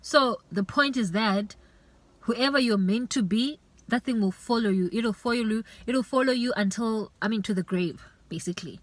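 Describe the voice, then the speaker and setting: A woman with a fairly high voice gives a faith-based motivational vlog talk. She pleads earnestly, circling back and repeating her points. The sound is close and dry, with no room around it. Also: moderate pace, no echo. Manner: earnest, urging and repetitive, with many restarts and "you know". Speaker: vlogger.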